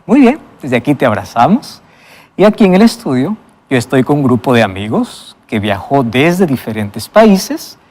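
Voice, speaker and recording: A male host opens a Bible study episode and greets his guests in a studio. His delivery swings widely in pitch with dramatic pauses. A long reverb trails his voice. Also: darkish tone. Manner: emphatic, with dramatic pauses and enthusiastic wows. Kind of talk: TV show presenting and interviewing.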